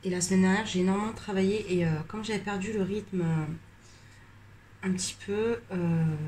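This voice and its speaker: A tired, slightly congested woman chatting casually while coloring, rambling with many hesitations and pauses. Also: medium pitch, a little mellow, slight background noise. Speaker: coloring vlogger.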